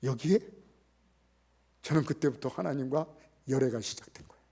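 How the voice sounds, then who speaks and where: A man's voice: medium pitch, normal speed, creaky, breathy edge. A man, a pastor, preaching a Sunday sermon full of personal stories, acting out the people he quotes. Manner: animated, acts out quoted family members in voices.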